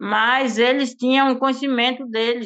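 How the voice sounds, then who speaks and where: A woman's high-pitched voice with a bright, sharp tone, at a fairly slow pace and with fairly even intonation. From Northeast Brazil, rural quilombola community. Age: 60s. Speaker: quilombola elder and folk culture master. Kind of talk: testimony.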